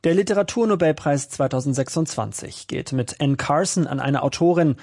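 A male correspondent reads a culture report in a composed manner. His voice is a little high and has a husky edge. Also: a little fast, darkish tone. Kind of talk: scripted news narration.

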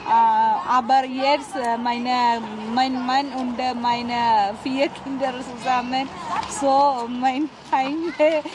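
High-voiced woman from india, slow halting talk, lots of um, noisy street and people around. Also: steady tone. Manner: halting, many fillers. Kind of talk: interview answer. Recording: outdoor street noise and crowd.

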